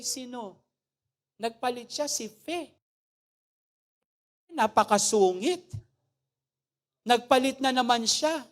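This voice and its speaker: Mabagal magsalitang babaeng pastor. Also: female voice, high voice. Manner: preaching with humor, asking the congregation "Amen?"; swings between loud emphatic phrases and soft asides. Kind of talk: sermon.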